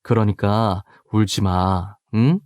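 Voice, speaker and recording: A gentle middle-aged husband speaks softly and slowly to comfort his wife, as a man plays him. The voice sits a little low and stays calm. It is recorded dry and close. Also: clean tone, no echo. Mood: soothing. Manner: soft, soothing, slow.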